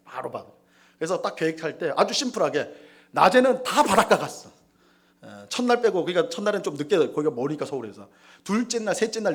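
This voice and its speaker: A man in his forties preaching a sermon in a church, telling a personal story with animated delivery and acted-out shouts. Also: fairly high pitch. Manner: animated storytelling, acts out shouts and quoted voices. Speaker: pastor. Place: church sanctuary.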